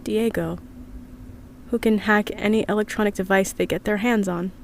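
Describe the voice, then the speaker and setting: A woman's voice: medium pitch, fairly even intonation, moderate pace, slight background noise, lightly acted. An actress playing an upset, earnest young woman from an underground community, confiding hesitantly in an audio drama diary. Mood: sad, subdued. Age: young adult.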